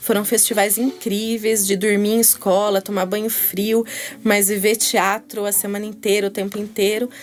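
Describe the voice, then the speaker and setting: Noticeable background noise sits behind a woman's medium-pitched voice. She speaks at a moderate pace with monotone, flat intonation. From Itatiba, São Paulo interior, Brazil. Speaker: actress and storyteller. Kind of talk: interview podcast.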